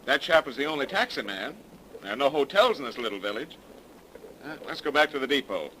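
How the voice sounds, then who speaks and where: A man's voice: medium pitch, lively intonation, a little fast, sharp tone. An actor playing a brash, skeptical man from the North in a 1930s radio drama, emphatic, impatient and theatrical. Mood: exasperated, resolute. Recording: noisy 1930s radio broadcast.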